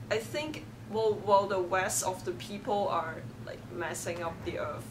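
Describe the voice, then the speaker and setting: A woman with a Cantonese accent speaks at a fairly slow pace, her pitch swinging very widely. Audible room echo and noticeable background noise are present. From Hong Kong. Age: 20s. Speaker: student. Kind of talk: interview. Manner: hesitant, many fillers.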